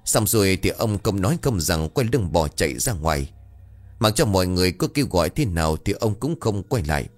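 A man narrating a horror story in a dramatic, expressive storytelling manner. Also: sits low, fairly quick, faint music behind.

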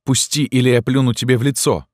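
A man's voice: fairly low pitch, animated, measured pace, darkish tone, breathy edge, no echo, studio quality, pitched above the performer's own voice. A man reading an audiobook, voicing a terrified, defiant young gypsy woman who cries out with trembling indignation. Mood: indignant.

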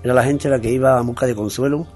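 A man's voice: mid-range voice, fairly even intonation, fast, darkish tone, slightly rough, soft background music. A man, speaking as an interview guest in an earnest, plain-spoken, repetitive way. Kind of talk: earnest personal testimony.

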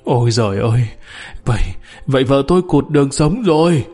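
A man's voice: mid-range voice, expressive, moderate pace, a little mellow, faint music behind, lightly acted. A man voicing a bitter underling who mocks, accuses and wails at his old boss. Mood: sobbing. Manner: mocking, accusing, wailing. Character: bitter downtrodden male underling, scornful, sobbing.

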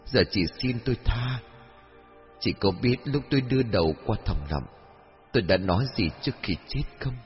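A man voicing the vengeful ghost of a young woman, speaking in a cold, hushed, menacing way. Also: mid-range voice, normal speed, close to an everyday voice. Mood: coldly vengeful. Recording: dull lo-fi audio, faint music.

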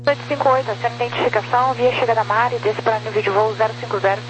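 A woman's voice: fairly high pitch, fairly even intonation, rapid-fire. A Brazilian woman working as an air traffic controller, giving procedural instructions over the radio. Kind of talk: radio instructions in set phraseology. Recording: noisy, humming radio channel.

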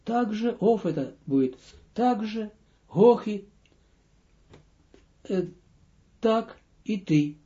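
Slow, deliberate man teaching, lo-fi audio. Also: sits high, lively intonation, warm tone. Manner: slow, deliberate, dictating with pauses; reads phrases aloud, then translates and repeats them. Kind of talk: line-by-line text lesson. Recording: dull lo-fi audio recording.

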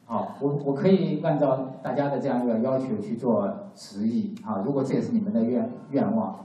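A man's voice: medium pitch, brisk, dark tone. A man working as a class interpreter, speaking hesitantly with frequent fillers. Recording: dull, echoey, far from mic.

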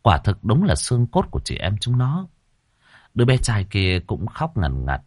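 A man reading a ghost story aloud as a storyteller, in a dramatic, expressive style. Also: lowish voice, moderate pace, husky, dry recording, clean studio sound. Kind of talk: scripted ghost-story narration.

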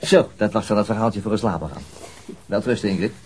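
A man's voice: lowish voice, fast talker, slight background noise, natural voice. A man playing a methodical middle-aged police detective and father in a naturalistic radio drama, dryly reasoning things through. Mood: patient, reasoning.

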